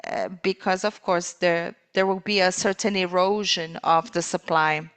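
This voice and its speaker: A woman interpreting live on a corporate call, speaking in halting phrases with pauses mid-sentence. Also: lowish voice, steady tone, fairly bright tone, smooth.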